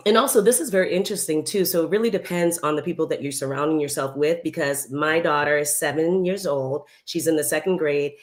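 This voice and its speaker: Woman, 40s, low pitch, candid, emphatic, casual chat. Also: brisk, few pauses. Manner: candid, emphatic, laughs easily. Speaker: guest panelist.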